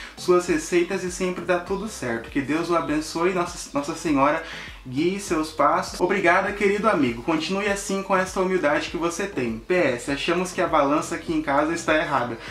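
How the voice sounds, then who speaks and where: A man's high voice with ordinary pitch variation, a moderate pace and hardly any pauses, plus audible room echo. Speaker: cooking channel host. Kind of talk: casual vlog chat. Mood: cheerful, amused, laughing. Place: home room. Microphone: camera far.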